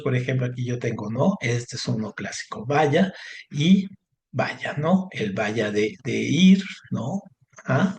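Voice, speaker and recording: A man's voice: mid-range voice, gravelly, a little mellow, slight background noise. Man teaching a lesson. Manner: explanatory, frequent tag questions and fillers. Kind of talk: online class lesson.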